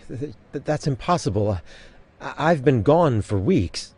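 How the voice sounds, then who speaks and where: In an audio drama, a man narrates and voices dialogue as a flustered husband and writer telling his tale, hesitant and stammering. His voice is medium-pitched, animated, measured, a little mellow with a breathy edge, and the recording is rough.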